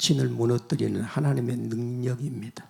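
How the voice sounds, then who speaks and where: Speaking at a very slow pace, a man delivers his words in a flat monotone, his voice somewhat breathy with a dark, mellow tone. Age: 80s+. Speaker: guest pastor. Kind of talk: sermon.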